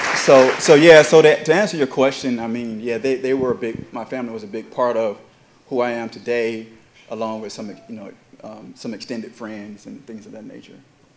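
A man speaks at a fairly quick pace, his loudness swinging widely. His pitch varies in an ordinary way over light background noise. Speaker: financial consultant, award recipient. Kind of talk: onstage interview. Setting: stage with audience. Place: hall. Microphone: handheld.

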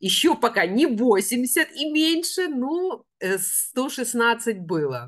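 Against a quiet background, a woman speaks. Her intonation is lively. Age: 50s. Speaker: customer giving testimonial. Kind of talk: testimony. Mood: warm, cheerful. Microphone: video call.

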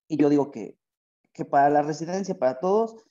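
Over a quiet background, a man with a Mexican accent speaks at a fairly high pitch with lively intonation. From Mexico. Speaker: migrant farm worker. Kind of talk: personal testimony at online press event. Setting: video call. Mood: earnest, aggrieved. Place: home room. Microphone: video call.

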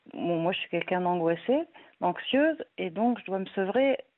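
A woman speaks at a medium pitch with very wide pitch swings. The background is quiet. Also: dry sound with no echo. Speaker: caller. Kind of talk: casual chat. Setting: phone call. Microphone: phone line.

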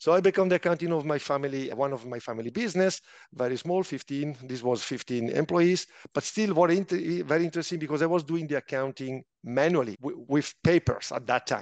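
Speaking fairly quickly at a fairly high pitch, a man has an Italian accent and ordinary pitch variation. The sound is dry and close with no echo, against a quiet background. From Italian-speaking Switzerland. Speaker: city finance official. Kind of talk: interview.

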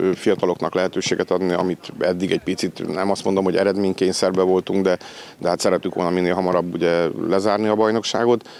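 A man with a very deep, low voice talks at a very fast pace in a dry sound with no echo. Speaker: football coach. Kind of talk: interview. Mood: calm, satisfied. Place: open country. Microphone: handheld.

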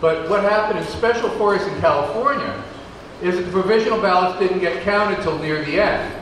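A fairly quick voice with ordinary pitch variation, strong room echo and light background noise. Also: man, high pitch for a man. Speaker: election lawsuit activist. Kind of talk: conference panel talk. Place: hall.

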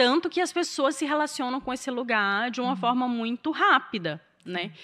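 A woman's high, bright, sharp voice with lively intonation over a quiet background. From Ceará, Brazil (Fortaleza); Ceará, Brazil. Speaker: journalist and novelist; journalist. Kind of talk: interview. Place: studio. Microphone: studio mic.

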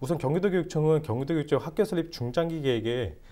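A man with a dark, mellow tone speaks at a very fast pace. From South Korea. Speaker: journalist; reporter or commentator guest. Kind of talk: TV panel discussion. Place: studio.

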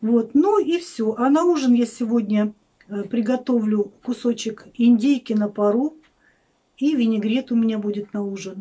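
This woman's voice is somewhat breathy, with a dark, mellow tone. She talks at a fairly slow pace. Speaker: home cooking vlogger. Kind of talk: casual vlog chat. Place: kitchen. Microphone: phone near.

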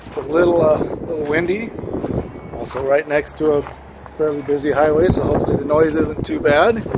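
Loud background noise runs under a man talking at a fairly quick pace. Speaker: home salesman. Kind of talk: casual walkthrough tour commentary. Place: street.

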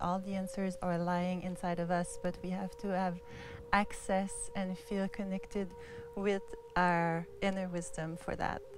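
In a Quebec accent, a woman speaks calmly at a fairly slow pace and medium pitch, the sound dry with no echo but noticeable background noise. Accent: French Canadian (Quebec). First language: French. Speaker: yoga teacher. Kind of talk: guided yoga class instruction. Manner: slow, calm. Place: garden.

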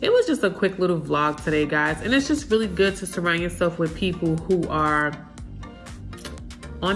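Clear music sounds in the background while a woman speaks. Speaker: style vlogger. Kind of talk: casual vlog chat. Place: home room. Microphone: phone near.

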